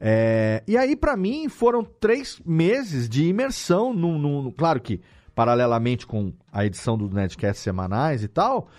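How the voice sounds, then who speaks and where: A Brazilian man talking casually as an interviewed audio editor, explaining things in an animated way with rhetorical questions. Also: on the high side, measured pace. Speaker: audio drama editor and podcast guest.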